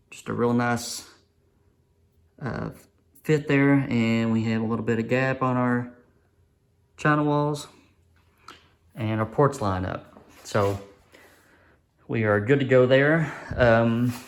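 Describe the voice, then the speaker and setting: A man casually explains a hands-on job to viewers, as an engine builder in a folksy, plainspoken, modest way. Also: mid-range voice. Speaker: engine builder presenting a how-to video.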